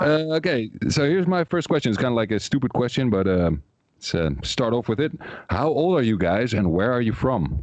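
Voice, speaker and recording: A man with a Dutch accent and a medium pitch, at a fairly quick pace, with very wide pitch swings and very even loudness. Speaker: interviewer. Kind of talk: casual interview. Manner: animated.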